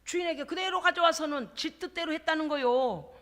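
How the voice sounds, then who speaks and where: Woman pastor, high bright voice, animated folksy preaching, echoey church hall. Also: fairly quick. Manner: animated, exclamatory preaching with frequent laughs; folksy, conversational asides to the congregation. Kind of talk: sermon. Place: church service.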